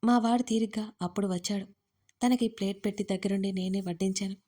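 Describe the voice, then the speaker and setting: Warm-voiced woman narrating an audio story. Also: mid-range voice, fairly even intonation, quick pace. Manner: intimate, conversational storytelling. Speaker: author and narrator.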